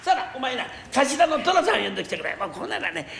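A man's voice: very high-pitched, big pitch swings, quick pace, gravelly, bright, forceful tone, full character voice. A man playing an impatient master who scolds and teases his servant, in a rakugo comic story. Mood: scolding. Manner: scolding, teasing. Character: fussy impatient male master of a house. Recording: echoey TV hall with noise.

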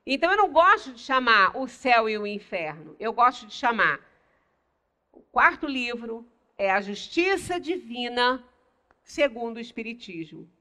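An older woman with a Brazilian Portuguese accent giving a religious study talk in a small meeting room, explaining slowly and stressing single words. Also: on the high side, lively intonation, sharp tone. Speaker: lecturer at a spiritist center.

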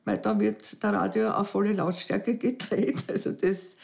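A woman's voice: medium pitch, steady tone, unhurried, gravelly. A woman in her fifties, a widow, speaking hesitantly and reflectively in an interview at home. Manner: hesitant, reflective, softening into near whispers. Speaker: dating show candidate. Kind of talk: emotional interview. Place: living room at home.

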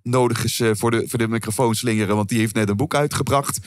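A man's voice: medium pitch, quick pace, no echo, studio quality. A man with a Dutch accent hosting a podcast, asking loose, rambling questions with fillers. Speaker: podcast host. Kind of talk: casual podcast interview.

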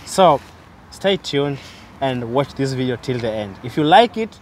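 A man's voice: medium pitch, animated, a little slow, slight background noise. A young man with a Kenyan accent hosting a casual vlog, repeating his phrases as he chats to camera. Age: young adult. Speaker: vlog host. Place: outdoors on a waterside walkway. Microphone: phone at arm's length.

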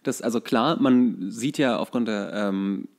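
A man chatting as a podcast co-host, explaining details in a halting, hesitant way. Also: lowish voice. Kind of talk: casual chat, explaining football.

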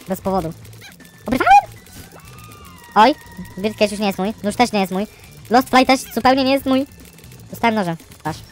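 Man, gaming streamer, casual running commentary, grumbling, frustrated outbursts, faint music behind. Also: high voice. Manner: chatty, grumbling, bursts of frustrated yelling.

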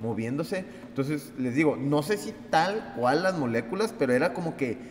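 A man with a Mexican Spanish accent, a podcast host telling a story casually, full of fillers and animated retelling. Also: a little high, moderate pace, long reverb tail, slight background noise.

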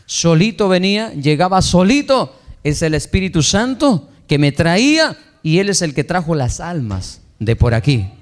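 In a sermon testimony, a man preaches his own story to the congregation with emotion, performing the quoted dialogue and addressing them as brothers. His voice is a little high, moves through big pitch swings, and keeps a moderate pace.

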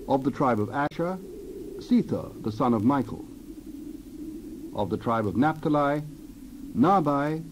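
A man narrating a dramatized scripture reading in measured, deliberate phrases. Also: medium pitch. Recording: dull, noisy recording with background ambience.

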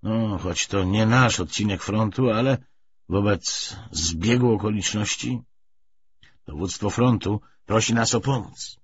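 Man reading as a cold, husky security officer. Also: on the low side, a little slow. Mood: coolly businesslike. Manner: even, indifferent, clipped official. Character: cold, indifferent male secret-police deputy chief. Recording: dull lo-fi recording.

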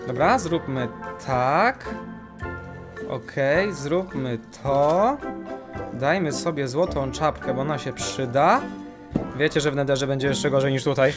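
A young man hosting a gaming channel, giving casual let's-play commentary and jumping into high yelps whenever he gets startled. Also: slow pace. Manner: excitable, jumps to high-pitched yelps when startled. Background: game music.

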